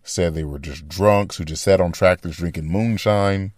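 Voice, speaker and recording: A man's voice: low-pitched, normal speed, darkish tone, no echo, clean studio sound. A man hosting a casual commentary podcast, rambling and thinking aloud as he talks. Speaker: podcast host.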